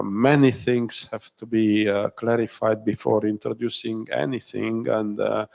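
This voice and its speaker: Slow, gravelly man moderating a session. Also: fairly low pitch, rough recording. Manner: hesitant, lots of pauses and fillers. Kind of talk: moderating a conference panel. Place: conference hall.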